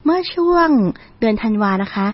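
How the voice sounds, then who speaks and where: A woman's voice: sits high, expressive, moderate pace, no room sound. A woman lecturer hosting a radio segment, telling a travel story in a chatty, polite way. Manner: chatty, polite, ends phrases with soft particles. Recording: dull lo-fi radio sound.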